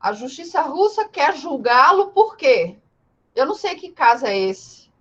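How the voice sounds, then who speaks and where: A woman's voice: high-pitched, sing-song, a little slow, fairly bright tone, lo-fi sound. A woman with a Brazilian Portuguese accent giving an informal live law lecture, explaining didactically with rhetorical questions and repetition. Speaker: law teacher.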